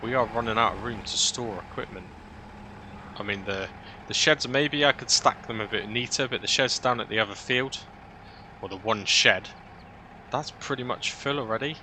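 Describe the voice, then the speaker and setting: A British man with a low, bright, forward voice chats his way through gameplay, thinking aloud as he goes. He often questions himself with little tag questions. Engine-like vehicle noise sits faintly to moderately behind him. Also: moderate pace. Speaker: gaming video host. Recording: noisy, vehicle-like engine ambience.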